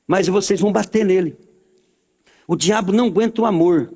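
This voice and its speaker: A man's voice: high-pitched, brisk, creaky, a little mellow, slightly rough, big-room sound. A Brazilian pastor leading his congregation in a prayer, giving them short phrases to repeat after him. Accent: Brazilian Portuguese.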